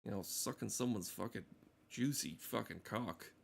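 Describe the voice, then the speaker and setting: A man's voice: on the low side, normal speed, gravelly, a little hiss or hum. A man giving crude, comedic, rambling commentary while playing a game, swearing often. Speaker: gamer talking over gameplay.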